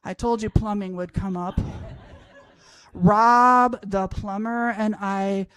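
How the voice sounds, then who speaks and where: A woman's voice: medium pitch, steady tone, slow pace, fairly bright tone, clean tone. A woman in her fifties from Austria, a language professor telling a humorous personal story on stage to an audience, wry and self-mocking. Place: college event stage before an audience.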